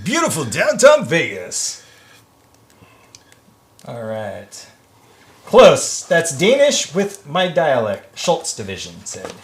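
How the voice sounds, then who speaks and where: A man's voice: a little high, huge pitch swings, echoey room. A man guesting on a casual livestream, joking and reading out viewer comments. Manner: joking, slow and drawn-out, reads chat aloud. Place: workshop.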